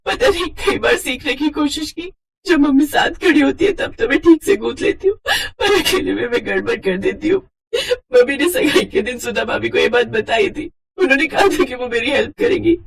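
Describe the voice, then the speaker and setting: A woman voicing a timid young new bride who speaks high and tearfully, close to crying, in an animated storybook. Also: normal speed, gravelly.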